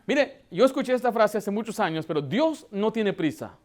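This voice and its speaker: A man's voice: sits high, very animated, moderate pace. A man preaching a sermon as pastor, asking the congregation questions and building up emotion.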